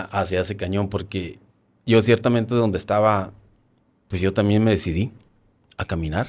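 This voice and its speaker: A man in his fifties with a Mexican accent, a former soldier recounting his own experience in a halting way, often restarting and repeating words. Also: lowish voice. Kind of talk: personal war-story testimony.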